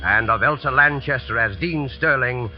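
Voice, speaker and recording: A man hosting and narrating a 1940s radio suspense show in a measured, ominous way. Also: mid-range voice. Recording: muffled 1940s radio broadcast with music.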